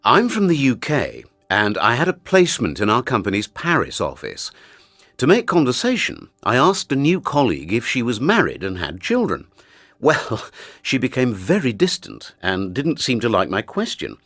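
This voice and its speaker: A man reading a scripted account for an English listening exercise, in a measured storytelling manner. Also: mid-range voice, huge pitch swings, fairly bright tone, dry recording, faint music behind. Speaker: textbook audio speaker.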